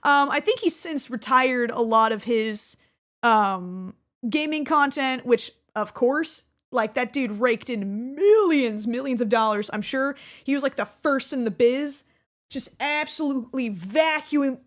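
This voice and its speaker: A woman in her twenties with a high, bright-sitting voice talks casually over her old gameplay footage. She is chatty and keeps restarting her sentences, with quick laughs scattered throughout. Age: 20s. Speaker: YouTuber.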